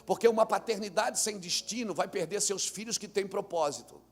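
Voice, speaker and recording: Brazilian pastor guy preaching live, high pitched and kinda gravelly, gets loud and animated. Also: fairly quick. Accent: Brazilian Portuguese. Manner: animated preaching that builds to shouts; tells stories through acted dialogue. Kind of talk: live sermon. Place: church conference hall.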